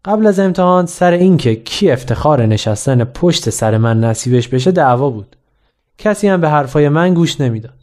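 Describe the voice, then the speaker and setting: A man's voice: on the high side, animated, a little mellow. A man narrating a humorous school memoir in a wry, self-mocking way. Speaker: storyteller.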